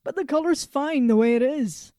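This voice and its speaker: A woman playing a self-conscious, grumbling female robot in an audio drama, deadpan and reluctant. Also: high voice, normal speed, dry recording, studio quality, close to an everyday voice.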